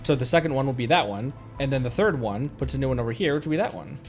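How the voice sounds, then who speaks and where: A man streaming a game, playful and animated, talking casually as he thinks aloud. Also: medium pitch, fast, soft background music.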